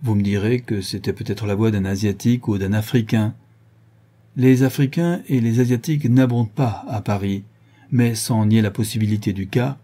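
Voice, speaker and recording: A man reads a young gentleman detective in an audiobook, laying out his deductions with cool method. The voice is very dark and husky, and the delivery stays calm and measured, like a patient lecture. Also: mid-range voice, natural voice. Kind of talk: audiobook reading.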